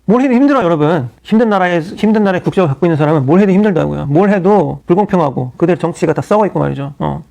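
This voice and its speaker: A middle-aged male pastor gives a lively, chatty sermon, tossing in asides and little acted-out quotes. He talks very fast in a fairly high voice with a gravelly rasp. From South Korea. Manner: animated, conversational preaching with frequent asides and acted-out quotes.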